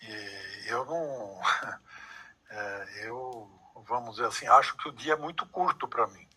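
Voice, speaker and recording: A man's very slow delivery with long, frequent pauses, big swings in loudness, and noticeable background noise. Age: 70s. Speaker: study group participant. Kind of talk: group discussion. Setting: video call. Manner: halting.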